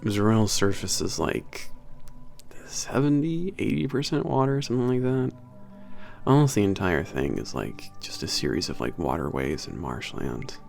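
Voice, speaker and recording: A man playing a laid-back, slightly gruff young werewolf trainer in a casual ASMR roleplay, talking in a halting, informal mumble that trails off. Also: on the low side, big pitch swings. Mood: relaxed, nostalgic. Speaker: workplace trainer. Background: soft background music.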